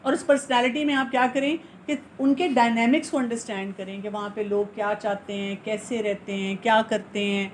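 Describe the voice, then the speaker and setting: High-voiced woman giving earnest advice. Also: fairly even intonation, hardly any pauses, a little hiss or hum. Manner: explains by asking and answering her own questions; mixes English phrases into her talk. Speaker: family counselor. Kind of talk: advice talk.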